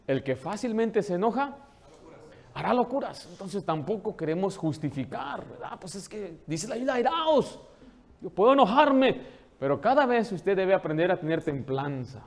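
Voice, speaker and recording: A man preaching a sermon as pastor, animated, asking the congregation questions and acting out the people he quotes. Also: high-pitched, moderate pace. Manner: acts out quoted dialogue in changed voices.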